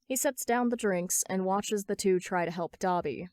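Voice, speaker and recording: A woman's voice: mid-range voice, normal speed, darkish tone, no room sound. A woman reading scripted fan fiction as an amateur story narrator.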